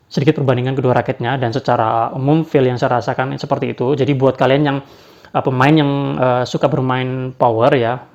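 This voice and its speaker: In this casual racket review, a man with a darkish mid-range voice sounds hesitant, packing his speech with fillers and tag questions. The audio quality is dull and lo-fi.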